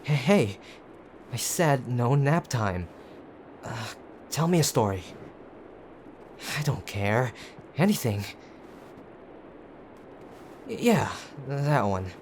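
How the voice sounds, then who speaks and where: A man playing a gruff, teasing tsundere boyfriend who is frightened and tender underneath, in an intimate audio drama with brusque, halting urgency. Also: mid-range voice, sing-song. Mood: insistent. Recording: clear background ambient noise.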